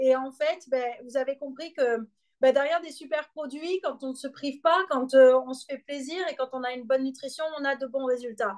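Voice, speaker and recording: Her voice high-pitched, a woman talks at a moderate pace with big swings in loudness. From southern France, Avignon. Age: 30s. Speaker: network marketing presenter. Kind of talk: sales pitch. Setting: video call. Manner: animated.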